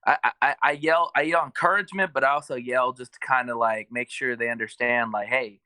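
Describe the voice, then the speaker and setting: A man's voice: mid-range voice, steady tone, a little fast, pushed and bright, clear, resonant tone, no room sound. A man coaching youth basketball, chatting as a guest on a video call in an agreeable, explaining way. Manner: conversational, agreeable, explains with examples. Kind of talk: casual chat on a video call.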